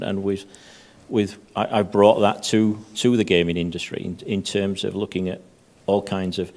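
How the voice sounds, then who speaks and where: A man speaking on a conference panel as a head of safety, halting and often repeating words. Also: low-pitched, creaky. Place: conference stage.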